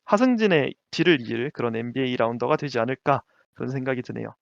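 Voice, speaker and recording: Casting: animated male co-host, higher voice, dull dry lo-fi sound. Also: fast talker, gravelly, no room sound. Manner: lively, laughs often, stumbles over names. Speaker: podcast co-host. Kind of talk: casual basketball chat.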